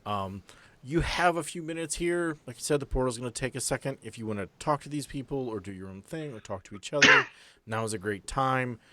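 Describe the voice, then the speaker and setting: A man's voice: medium pitch, lively intonation, a little fast, noisy background. A man speaking casually as game master of a tabletop roleplaying game, slipping between narration and sweary banter.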